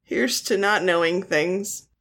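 A woman's voice: lowish voice, takes it slowly, a bit bright. A woman co-hosting a podcast in casual chat, teasing dryly and laughing often. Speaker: podcast co-host.

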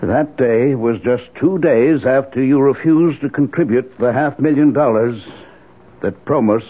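A man's voice: mid-range voice, a little slow, breathy edge. Tinny radio anxious middle-aged father. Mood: uneasy. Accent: American. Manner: hesitant, uneasy. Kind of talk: 1970s American radio drama acting. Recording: tinny, phone-like old radio broadcast.

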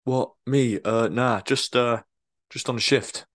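A man's voice: medium pitch, fairly even intonation, slow pace, close to an everyday voice. A man playing an awkward, evasive young staff member who hesitates and stumbles over fillers.

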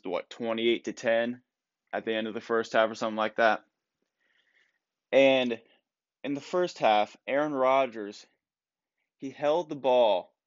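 A man's voice: on the low side, dry recording, dull audio. Stuffy-nosed man hosting a solo podcast. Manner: rambling, restarts, opinionated. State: stuffed-up nose. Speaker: podcast host. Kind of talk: solo sports opinion podcast.

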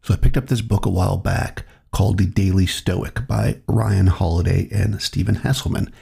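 A man hosting his own podcast, talking in a relaxed, reflective way while he has a cold. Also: low-pitched, normal speed, vocal fry, breathy edge. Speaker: podcast host. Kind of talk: solo podcast monologue.

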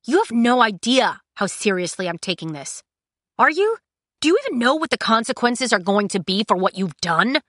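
A woman's voice: on the high side, lively intonation, moderate pace, sharp tone, no echo, clean studio sound, voice pushed up. A woman voicing an indignant young male emperor in an audiobook, emphatic and exasperated. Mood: stern, indignant. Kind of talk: audiobook character acting.

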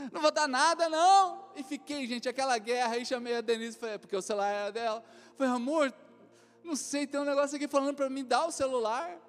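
A Brazilian man with an unusually high voice preaches a sermon. He tells lively stories and acts out the people in them. The sound rings out with a long hall echo, and soft music plays behind him. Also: fast. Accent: Brazilian Portuguese. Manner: animated storytelling, acts out other voices, laughs often. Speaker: pastor. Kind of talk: sermon with acted anecdotes.

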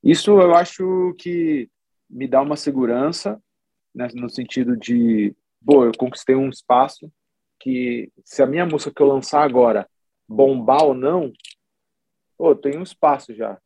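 A man with a gravelly, husky voice talks about his music career in a loose, rambling way. He uses plenty of slang and often restarts his sentences, like a relaxed musician in a casual interview. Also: medium pitch, unhurried, no echo. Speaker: musician guest.

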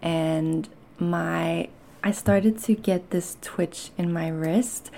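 A woman's voice: lowish voice, steady tone, extremely slow, vocal fry, a little mellow, a little hiss or hum. A woman with a mixed South African and Canadian accent, talking candidly and conversationally to listeners as a podcast host, hesitating as she goes. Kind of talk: personal confessional talk to listeners.

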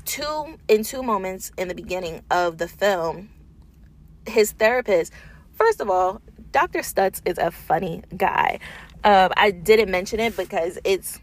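A woman's voice: mid-range voice, expressive, measured pace. A woman talking casually and informally in an unedited solo podcast, thinking aloud as the host, recorded in a small office booth.

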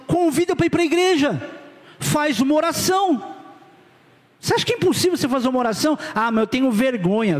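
A man's voice: very high-pitched, in a large hall. A middle-aged man with a Brazilian Portuguese accent preaching a sermon to his congregation, urgent and direct, with casual slang. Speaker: pastor. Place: church hall.

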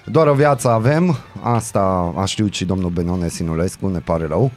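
A man hosting a regional radio morning show, loud and jokey as he reads the news and banters with his co-hosts. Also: deep voice, soft background music. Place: radio studio.

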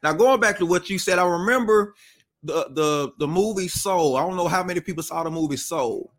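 A man's voice: high voice, brisk, fairly bright tone. A man co-hosting a casual talk show, reading out viewer comments and prodding them for answers. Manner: conversational, reads out comments and pushes for answers. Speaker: podcast co-host.

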